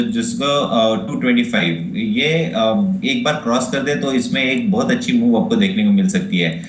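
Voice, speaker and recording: A man's voice: mid-range voice, reverberant, poor audio. A male stock market analyst giving live commentary, speaking hesitantly with many fillers as he reads out price levels.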